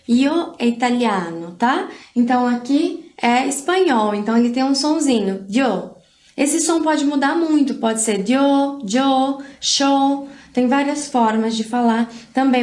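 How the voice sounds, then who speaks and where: A woman's voice: a little high, a little mellow. A Brazilian woman teaching a recorded video lesson, explaining patiently and having learners repeat words after her. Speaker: Spanish teacher. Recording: roomy echo.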